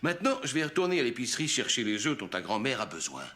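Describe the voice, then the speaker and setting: Animated, kindly old grandfather. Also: mid-range voice, quick pace. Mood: gentle, patient. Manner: gentle, patient, explanatory. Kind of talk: French children's cartoon acting.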